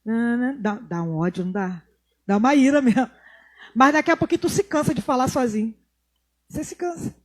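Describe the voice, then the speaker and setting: A middle-aged Brazilian woman pastor giving a conversational sermon, with asides and deliberate pauses. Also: a little high, expressive. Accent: Brazilian Portuguese.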